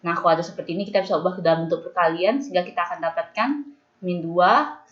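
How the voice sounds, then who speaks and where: Young woman tutoring math, echoey room. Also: fairly low pitch. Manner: patient, slows down when reading formulas. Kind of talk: explaining a calculus problem step by step. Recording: echoey room, dull lo-fi sound.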